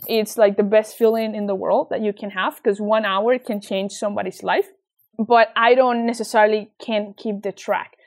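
This is a woman with a Venezuelan Spanish accent, at a middling pitch. She talks as a guest being interviewed, in a conversational style. Her manner is earnest and encouraging as she explains and recounts. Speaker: interview guest, tech nonprofit leader. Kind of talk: conversational interview answers with anecdotes.

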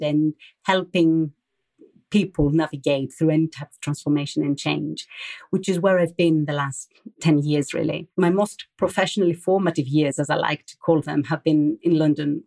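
Brief: Greek-accented woman guest with a low voice, careful and explanatory. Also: gravelly, darkish tone. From Greece. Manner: measured, explanatory, slightly hesitant. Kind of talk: interview answers.

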